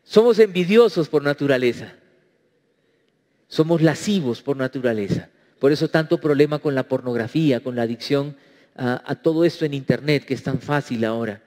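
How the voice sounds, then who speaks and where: A man's voice: medium pitch, normal speed, darkish tone. A man preaching a sermon as pastor, emphatic and acting out quoted prayers. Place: church. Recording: reverberant church hall.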